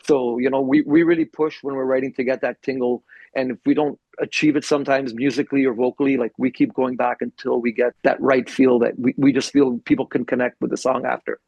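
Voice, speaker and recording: A man's voice: mid-range voice, flat delivery, fairly quick, vocal fry, breathy edge, no echo. Man on a dull, dry video call. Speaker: songwriter guest. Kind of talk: casual interview chat.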